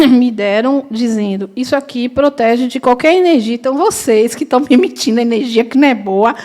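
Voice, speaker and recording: A middle-aged woman teaching a class, telling a personal story and acting out the dialogue. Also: high-pitched. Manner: animated storytelling, acts out dialogue. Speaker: spiritist course teacher. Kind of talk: classroom lecture with personal anecdote.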